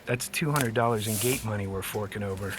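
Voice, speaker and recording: A man's voice: on the low side, brisk, lightly acted. Chiding prison officer played by a man. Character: gruffly chiding male prison release officer. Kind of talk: audio drama acting. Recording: music clearly behind the voice.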